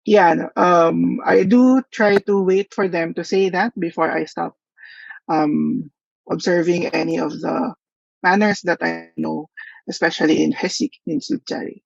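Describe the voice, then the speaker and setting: A man giving a thoughtful, hesitant conference presentation with frequent pauses. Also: a little high, steady tone, vocal fry, no room sound. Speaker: workshop presenter. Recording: dull lo-fi dry audio.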